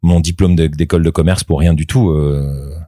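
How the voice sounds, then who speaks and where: A man's voice: very deep voice, steady tone, normal speed, warm tone, no room sound, clean studio sound. A man in his thirties, a voice actor being interviewed, talking casually with many fillers and restarts. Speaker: voice actor guest.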